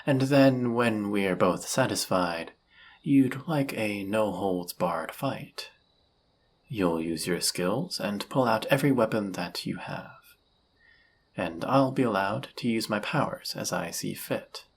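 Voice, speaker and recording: Husky, gravelly seductive demon, played by a man. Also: fairly low pitch, takes it slowly, full character voice. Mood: smooth, bargaining. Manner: smooth-talking, teasing, theatrical, often breathy and murmured. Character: suave seductive male demon, smug and dangerous. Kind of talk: flirty audio roleplay acting.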